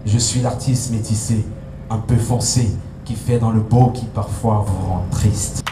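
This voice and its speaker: A man reciting slam poetry in a flat, declamatory delivery. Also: fairly low pitch, measured pace, crowd noise. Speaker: slam poet on stage. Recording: echoey live stage sound with noise.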